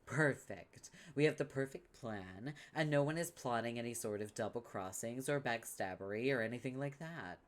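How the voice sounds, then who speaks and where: A man's voice: medium pitch, moderate pace, hardly any pauses, lightly acted. A man voicing a smug, scheming young female troll with a brash, sarcastic delivery.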